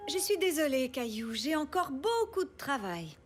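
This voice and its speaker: A patient, kindly cartoon mother, speaking in a high voice with a swooping singsong melody. She reasons gently, as in a preschool show. Music plays clearly behind her. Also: sing-song, normal speed. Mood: apologetic, encouraging. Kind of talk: French-dubbed preschool cartoon acting.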